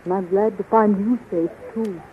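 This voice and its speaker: An actress playing an anxious, plucky young sweetheart heroine, pleading and melodramatic, in 1930s radio serial style. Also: female voice, medium pitch, steady tone, moderate pace, lightly acted. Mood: worried. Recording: muffled, noisy 1930s radio recording.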